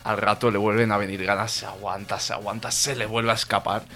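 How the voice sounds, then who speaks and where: A man co-hosting a radio comedy show, telling jokes that build slowly with repetition. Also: fairly low pitch, flat delivery, fairly bright tone, soft background music.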